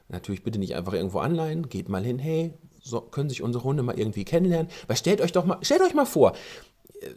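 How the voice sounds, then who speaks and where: A man hosting a podcast, giving casual advice to dog owners and working as a dog trainer, talking in an animated way with frequent ums and restarts. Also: a little high. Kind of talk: casual spoken advice talk.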